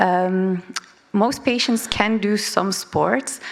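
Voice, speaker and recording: A woman speaking over noticeable background noise. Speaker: physiotherapist. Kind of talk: conference presentation.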